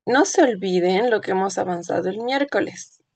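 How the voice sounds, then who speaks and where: A woman's voice: mid-range voice, expressive, moderate pace, no echo. A woman teacher giving a classroom lecture, explaining patiently and checking often that her students follow. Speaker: language teacher.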